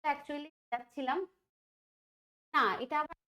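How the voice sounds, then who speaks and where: A woman's voice: high voice, steady tone, slow, pushed and bright. A woman teaching an online quiz lesson, chatty and thinking aloud, often asking the students questions. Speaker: exam prep teacher.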